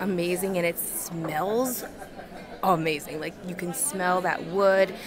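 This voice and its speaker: A woman talks at a fairly slow pace. Clear music sits in the background of a dry sound with no echo. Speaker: food vlogger. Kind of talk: casual vlog chat. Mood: excited, cheerful. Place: bar. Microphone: earbuds.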